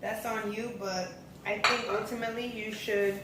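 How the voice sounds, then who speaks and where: A woman's voice: medium pitch, little pitch movement, normal speed. An American woman hosting a casual vlog, talking informally and directly to viewers. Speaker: vlog host. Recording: echoey room, distant mic, faint noise.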